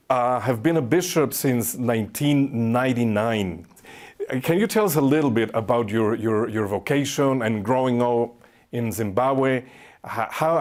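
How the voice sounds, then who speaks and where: A man's voice: medium pitch, a little mellow. A male program host who reads a scripted introduction and then asks questions, often stumbling and repeating words. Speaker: interview host.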